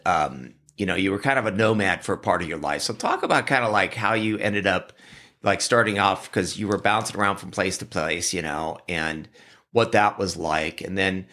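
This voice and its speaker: Host, man, low voice with swooping pitch, casual rambling questions. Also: pushed and bright. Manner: loose, rambling questions with fillers. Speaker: podcast host, alumni manager. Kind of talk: casual interview.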